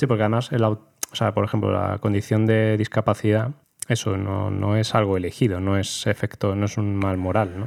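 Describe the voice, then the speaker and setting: A man's fairly low voice at a fairly quick pace, monotone with flat intonation. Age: 30s. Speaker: podcast host. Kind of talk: casual chat.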